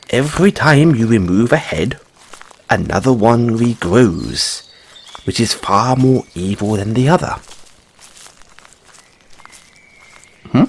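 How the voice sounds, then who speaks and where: A man's voice: on the low side, slight background noise. A man voicing a curious, fussy white rabbit boy in a fantasy audio roleplay, musing theatrically with quaint, questioning phrasing. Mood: pondering, theatrical.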